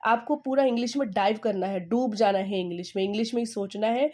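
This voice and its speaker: A woman with an Indian accent teaches English in Hindi, repeating explanations and checking in with "okay?". Her voice is mid-range and a little mellow, and she reads English sentences in slow, stressed dictation.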